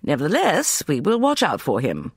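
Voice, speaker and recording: A man voicing a brisk, formal, self-assured older woman in an audiobook. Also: a little high, wildly swooping pitch, breathy edge, no echo, clean studio sound, exaggerated voice.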